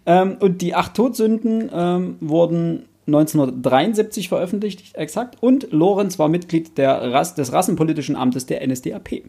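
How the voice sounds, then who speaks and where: A man's voice: on the high side, moderate pace, gravelly, hardly any pauses, mellow, breathy edge. A young man hosting a casual book discussion, thinking aloud in a hesitant, self-correcting way. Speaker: podcast host.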